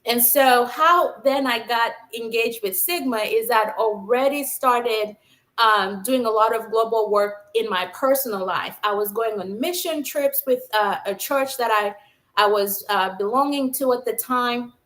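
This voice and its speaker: A woman's voice: fairly high pitch, unhurried, fairly bright tone. A woman from Zambia, a nurse scientist, telling her career story in an earnest, enthusiastic conversational way. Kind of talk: conversational interview.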